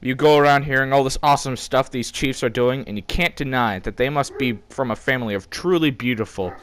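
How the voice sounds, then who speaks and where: A man's voice: mid-range voice, fairly quick, a bit bright, slight background noise. A man narrating a comedic story in an informal, first-person storyteller style.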